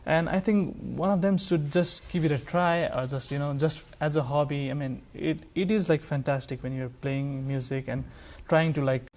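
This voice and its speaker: A man with a Nepali accent, a folk musician being interviewed, talking casually and haltingly with many filler phrases. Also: fairly high pitch, fairly even intonation, darkish tone. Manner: hesitant, halting delivery full of like and you know. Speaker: folk musician, sarangi player, guest; music educator.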